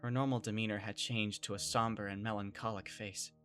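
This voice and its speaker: Woman doing a confused fed-up young kid narrating, really low for a woman, bright, dramatic. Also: fairly even intonation, a little fast, faint music behind. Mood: brooding, narrating. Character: bewildered, exasperated young kid narrating an apocalypse ordeal. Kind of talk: dramatic first-person narration and dialogue.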